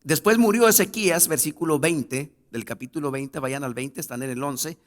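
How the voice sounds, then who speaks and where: A male pastor preaching a sermon, reading scripture aloud and swelling into loud, emphatic passages as he addresses the congregation. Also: mid-range voice, fairly even intonation, normal speed. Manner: addresses the congregation directly as brothers.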